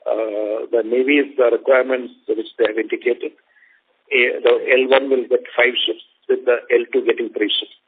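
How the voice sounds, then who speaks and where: A man with an Indian accent answering questions as a company executive, speaking formally and haltingly in measured phrases. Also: mid-range voice, level tone, slightly rough. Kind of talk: earnings call answers. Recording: narrow phone line with faint noise.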